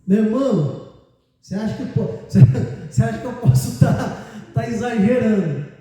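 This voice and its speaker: A male pastor with a Brazilian Portuguese accent tells a story from the pulpit, chatty and qualifying his memory as he goes. His voice is high yet mellow. He is picked up from a distance, with the long echo of a large church hall around him. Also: animated, moderate pace. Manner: conversational, hedging and self-correcting as he recalls details. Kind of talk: storytelling sermon. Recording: echoey church hall from far off.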